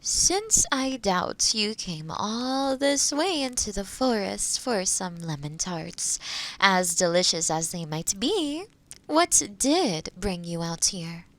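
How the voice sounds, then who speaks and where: A gentle, teasing witch of the woods, acted by a woman in an intimate fantasy audio drama. She takes her time, pausing and humming thoughtfully. Her soft-spoken delivery rises and falls in an animated, welcoming way. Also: medium pitch. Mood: curious, musing. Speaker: audio roleplay performer. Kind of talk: intimate scripted audio roleplay.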